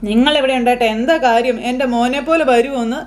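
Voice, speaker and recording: A woman's voice: fairly high pitch, fairly even intonation, quick pace, natural voice. A woman voicing a middle-aged mother who fakes a stomachache, speaking in whiny, wailing complaints. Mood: whining.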